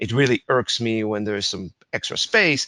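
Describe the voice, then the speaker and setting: Heard in a dry, close sound with no echo, a man with a non-native accent has a bright, sharp tone at medium pitch. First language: not English. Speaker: online editor and colorist. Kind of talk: software tutorial webinar. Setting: online webinar. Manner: many fillers (um, uh).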